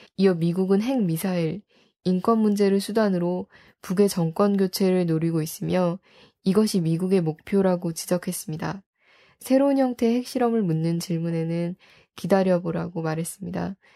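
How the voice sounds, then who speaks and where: A woman with an ordinary speaking voice talks at a medium pitch and a moderate pace with ordinary pitch variation, on a very clean recording with a silent background. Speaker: news reader reporting news items. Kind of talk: news reading. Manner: formal, steady.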